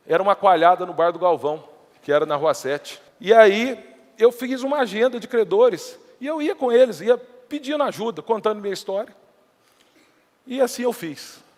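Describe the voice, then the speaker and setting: A middle-aged Brazilian man with a countryside Minas Gerais accent, telling his life story to a live audience in a chatty, anecdotal way. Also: high voice. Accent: Brazilian Portuguese, countryside Minas Gerais. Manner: anecdotal, acts out quoted dialogue, chatty asides. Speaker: entrepreneur giving a talk. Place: stage in a large hall before an audience. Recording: reverberant hall.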